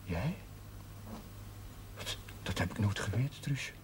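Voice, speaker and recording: An actor playing a caring Catholic chaplain in a television drama, serious, gentle and concerned. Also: male voice, fairly low pitch, slow pace. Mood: surprised, tender. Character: earnest, caring Catholic chaplain, the housekeeper's brother. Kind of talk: naturalistic television drama acting. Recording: noisy old television soundtrack.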